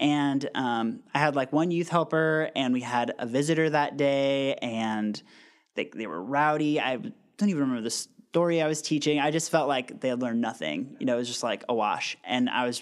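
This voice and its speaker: A man with a Midwestern US accent, fairly high-pitched and fairly quick, with ordinary pitch variation on a very clean recording with a silent background. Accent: US Midwest. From Wisconsin, then Illinois from sixth grade. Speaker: children's pastor. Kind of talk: casual interview.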